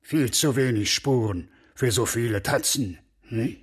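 An actor playing a proud, fussy Christmas baker in a children's audio story. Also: male voice, medium pitch, unhurried, slightly rough. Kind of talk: children's radio play acting.

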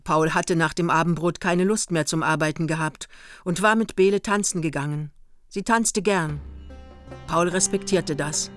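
An actress narrating a literary radio play in the third person as a storyteller. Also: female voice, on the low side, normal speed, dry recording, close to an everyday voice. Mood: measured storytelling. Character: female narrator of a young couple's holiday tale. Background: music.

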